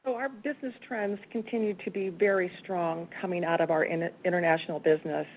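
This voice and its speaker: Heard over a conference call line, a woman company executive answers earnings questions in an emphatic, businesslike way. Her voice is on the low side, steady in tone, and a little fast, and the narrowband phone audio carries faint noise.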